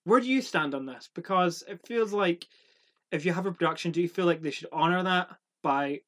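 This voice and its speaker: A man with a softened Scottish accent, co-hosting a casual podcast chat, talkative and quick to laugh and swear. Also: high-pitched. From Scotland. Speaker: podcast co-host.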